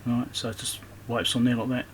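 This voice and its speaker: Over poor audio with noticeable background noise, a man presents his own electronics repair video, thinking aloud and muttering casually as he works. He speaks briskly in a mid-range voice with a level tone.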